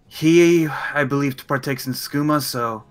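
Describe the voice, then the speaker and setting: A man's voice: on the high side, a little slow, smooth. A man playing a tabletop roleplay game, speaking in character and describing his actions. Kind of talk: in-character roleplay and casual chat.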